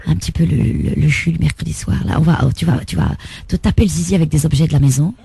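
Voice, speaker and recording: A woman's voice: deep voice, fast talker, gravelly, mellow. A woman playing a flirtatious, bossy, kinky caller with a put-on Belgian accent in a prank phone call. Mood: coaxing, bossy. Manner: exaggeratedly eager, coaxing.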